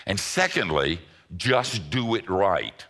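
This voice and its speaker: A man preaches a sermon to his congregation at a church service, folksy and emphatic, tossing in a dry joke now and then. His low voice is gravelly at the edges yet bright and forceful. He takes it slowly and swings his pitch widely to hammer home each point.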